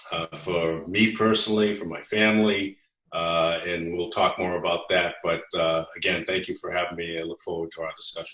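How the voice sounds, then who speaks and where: A man talks at a moderate pace. He has a Boston accent. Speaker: retired federal agent. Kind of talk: casual conversation. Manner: hesitant, with fillers.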